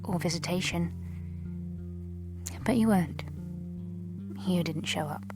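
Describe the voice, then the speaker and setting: Hurt, formal wife, lowish voice. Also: female voice, music in the background. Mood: hurt, firm. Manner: measured, formal, deliberate short phrases. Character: hurt, dignified newly divorced wife, restrained and formal. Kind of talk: audio drama letter reading.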